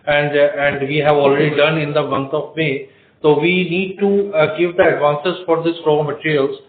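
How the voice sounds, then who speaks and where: A man's voice: a little high, flat delivery, normal speed. This man. As a finance executive, he gives figures with many hesitations and fillers. The sound is roomy and squeezed through a phone line. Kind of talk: earnings call answers. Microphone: conference call phone line. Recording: echoey room over phone line.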